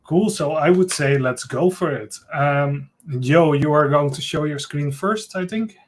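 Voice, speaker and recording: A man's voice: on the high side, unhurried. Man hosting a video call chat. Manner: friendly, brief prompting questions. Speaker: host. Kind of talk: casual livestream talk. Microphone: webcam on video call.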